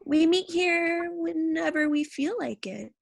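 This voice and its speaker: A woman's voice: very high voice, measured pace, creaky, no echo, exaggerated voice. A woman playing a smug, territorial mean girl who leads a club, haughty and taunting in a comedy sketch. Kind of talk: comedy sketch staged reading.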